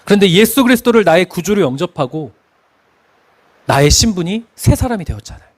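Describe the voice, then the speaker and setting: The speaker is a middle-aged pastor from Korea's Chungcheong region whose high-pitched voice runs a little fast. He preaches expressively, sings bits of hymns, and laughs while recounting stories.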